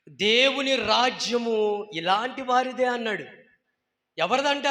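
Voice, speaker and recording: A man's voice: high voice, sharp tone. A male pastor with a Telugu accent preaching a sermon in a church hall, emphatically questioning his congregation. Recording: long hall reverb.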